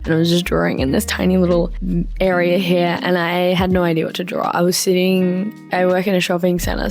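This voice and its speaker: A young woman with a sore throat and a husky voice, chatting casually to camera in a rambling vlog. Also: fairly low pitch. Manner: chatty, rambling, with soft laughs and ums. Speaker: vlogger.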